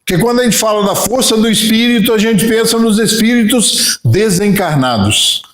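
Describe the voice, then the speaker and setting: Brazilian male spiritist lecturer, high voice, storyteller, echoey room. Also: expressive, moderate pace, a bit bright. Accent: Brazilian Portuguese. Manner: storytelling with acted-out dialogue.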